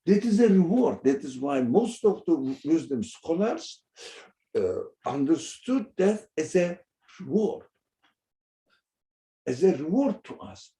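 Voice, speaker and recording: A man explaining a religious text in an animated way, chuckling often and pausing to search for words. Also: fairly high pitch, echoey room. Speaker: religious teacher.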